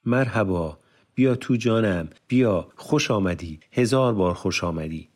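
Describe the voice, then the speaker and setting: A man's voice: fairly low pitch, expressive, darkish tone. A man voicing a hospitable, fatherly old tribal chief in an audiobook, speaking with emphatic, insistent exclamations. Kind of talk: audiobook character voice.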